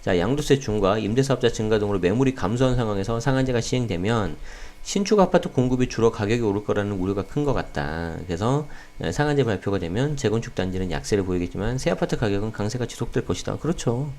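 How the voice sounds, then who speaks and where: Man, low voice, slightly hoarse, casual host, lots of filler sounds. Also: fast. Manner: relaxed, many fillers, talks straight to viewers. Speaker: real estate channel host. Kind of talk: casual daily news commentary.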